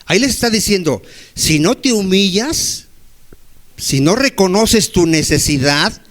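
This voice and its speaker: Man, pastor, fairly high voice, church sermon, rhetorical questions, pleading prayers acted out. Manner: preaching with rapid rhetorical questions to the congregation; acts out pleading prayers, dropping low and slowing down.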